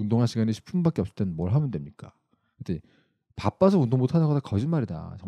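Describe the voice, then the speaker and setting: A man speaks at a very fast pace. His animated tone swings very widely in pitch. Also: medium pitch for a man, dry, close sound with no echo. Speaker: podcast host and cartoonist. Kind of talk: casual chat.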